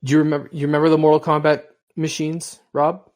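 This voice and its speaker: A man's voice: fairly high pitch, monotone, fast, a little mellow. A man in his forties hosting a casual podcast chat, rambling through long stories at an easygoing clip. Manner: rambling storyteller. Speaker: podcast host.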